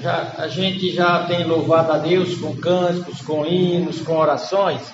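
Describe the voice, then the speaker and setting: Congested pastor preaching slowly in an echoey hall. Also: male voice, on the high side, steady tone. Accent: Brazilian Portuguese. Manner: unhurried teaching delivery, stresses key words. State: congested with a cold. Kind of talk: sermon. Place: church hall. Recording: echoey hall, dull lo-fi sound, noisy background.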